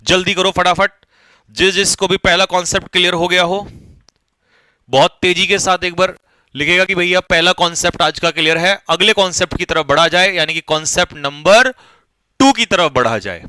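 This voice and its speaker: Brisk, high-voiced man teaching. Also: bright, forceful tone, clear, resonant tone, dry recording. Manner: urging students to hurry, asks and answers his own questions. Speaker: English teacher. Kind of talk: online exam-prep lesson.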